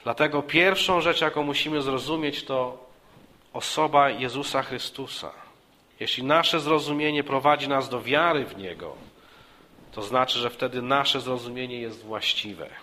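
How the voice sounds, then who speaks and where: A male preacher delivers a sermon in a bright, forceful voice. He speaks earnestly, restarting words and repeating phrases as he goes. His voice rises for emphasis, then sinks low and soft. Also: measured pace.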